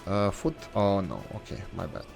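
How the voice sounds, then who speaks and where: A man's voice: low voice, big pitch swings, moderate pace, vocal fry, a little mellow, soft background music. A man hosting a gaming video, talking casually and thinking aloud as he builds, with rambling asides and corrections. English is not his first language. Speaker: gaming channel host. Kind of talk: casual let's-play commentary.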